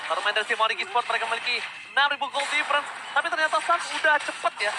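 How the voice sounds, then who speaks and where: A man with an Indonesian accent commentating live esports play-by-play like a hyped fighting game announcer, with dramatic drawn-out calls. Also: extremely high pitch, heavy background noise. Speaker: esports shoutcaster.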